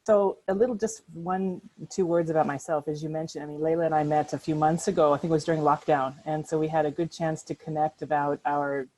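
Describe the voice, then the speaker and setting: A middle-aged American woman giving a conversational presentation over a video call from her apartment, often pausing with fillers and restarts. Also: deep voice, fairly even intonation, dark tone, low-quality recording. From United States. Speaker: workshop speaker. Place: apartment at home.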